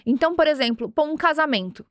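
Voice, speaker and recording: A woman from Brazil in her thirties, hosting a podcast and telling a personal story in an earnest, animated way, acting out bits of dialogue. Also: sits high, fast talker, no echo, clean studio sound. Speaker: podcast host. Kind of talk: motivational storytelling.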